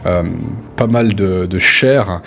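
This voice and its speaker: A man's voice: low-pitched, takes it slowly, fairly bright tone. A man improvising vivid, casual narration as the game master of a tabletop role-playing game. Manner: vivid descriptive storytelling with casual asides.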